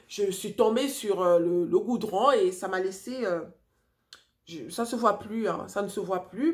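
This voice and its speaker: A woman in her forties from Africa, telling a personal story to her viewers in a chatty, animated way with many fillers and restarts. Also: mid-range voice. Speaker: vlogger. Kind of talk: casual storytelling to camera.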